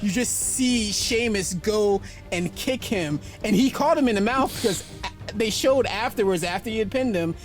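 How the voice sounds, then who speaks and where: High-pitched man telling a story with swearing. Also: normal speed, faint music behind. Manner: swears freely, recounts events with laughing asides. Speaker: podcast co-host. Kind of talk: casual chat.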